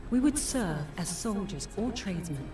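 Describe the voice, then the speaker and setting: A woman playing a dignified, solemn noblewoman in a fantasy game, speaking formally and with measured courtesy. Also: medium pitch, sing-song, close to an everyday voice. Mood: grave, pleading. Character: dignified, solemn foreign noblewoman pleading for refugees. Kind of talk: scripted fantasy game acting. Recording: roomy, distant game audio under music.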